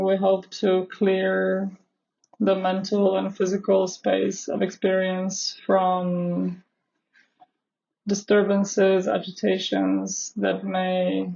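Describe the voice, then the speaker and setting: A woman leading a guided meditation in a measured, instructional way, with long pauses between phrases. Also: mid-range voice, gravelly, warm tone, lo-fi sound. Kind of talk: guided meditation, live session.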